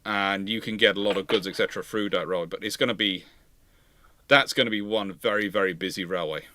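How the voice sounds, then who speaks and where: A man hosting a casual panel discussion, explaining and speculating in a measured way. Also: on the low side, pushed and bright. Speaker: panel host answering viewer questions.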